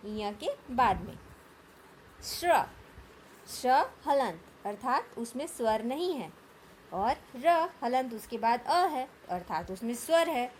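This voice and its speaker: A woman teacher walks students through a grammar lesson at an unhurried, deliberate pace. Her voice sits slightly high, and she keeps asking questions to check that the class follows. A faint hum of noise runs under the recording. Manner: slow, patient explaining with frequent check-in questions.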